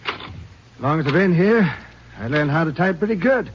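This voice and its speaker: An actor playing an easygoing, chatty rural station master with a folksy drawl, in a 1950s radio drama. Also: male voice, on the high side, expressive, moderate pace, lightly acted. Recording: muffled old radio broadcast with hiss.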